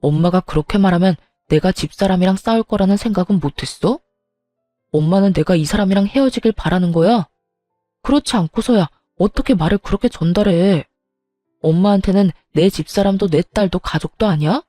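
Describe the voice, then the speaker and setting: A woman's voice: mid-range voice, brisk, dark tone, no echo, soft background music, close to an everyday voice. A woman voicing an angry husband who confronts his mother with reproachful questions. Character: husband, angry middle-aged man.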